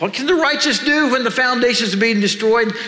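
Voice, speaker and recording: Noticeable background noise beneath a man's raised, projected voice. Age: 70s. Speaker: pastor. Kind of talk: sermon. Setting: church.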